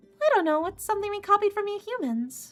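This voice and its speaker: This is a squeaky, put-on character voice. It goes at a very fast pace. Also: woman, extremely high pitch for a woman. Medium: game stream. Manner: talkative, rambling.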